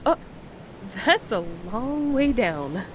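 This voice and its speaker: A woman's voice: sits high, very animated, takes it slowly, noisy background, heavily acted. A woman playing an earnest, hesitant young courier in a naturalistic audio drama, speaking thoughtfully. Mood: uncertain.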